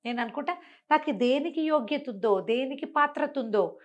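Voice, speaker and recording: A woman telling devotional stories conversationally, in an expressive, emphatic way that repeats phrases for effect. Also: high voice, normal speed. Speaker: storyteller and talk show guest.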